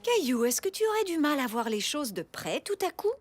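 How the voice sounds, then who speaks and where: Casting: playful, patient mother for a kids' cartoon, high voice with animated swings, reassuring. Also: brisk, dry recording, soft background music. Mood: questioning. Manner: gently questioning, reassuring. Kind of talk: children's cartoon dub.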